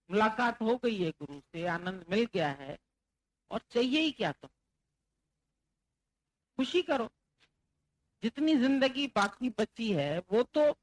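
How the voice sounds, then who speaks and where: A woman's voice: fairly high pitch, no room sound, poor audio. A woman spiritual teacher giving a devotional sermon, talking conversationally and acting out the people she quotes. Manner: conversational, acts out quoted speech.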